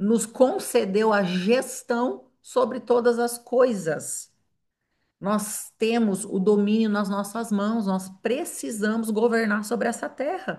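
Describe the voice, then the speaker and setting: Her fairly high-pitched voice has a dark, mellow tone as the woman moves at a very slow pace. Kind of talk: online religious class. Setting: livestream with chat.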